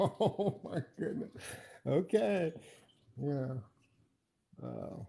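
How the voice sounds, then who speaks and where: In an Ohio accent, a man speaks at a very slow pace with a fairly high pitch and lively intonation. His tone is dark and mellow, with vocal fry. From Ohio, US. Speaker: guest on live chat. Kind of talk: casual chat.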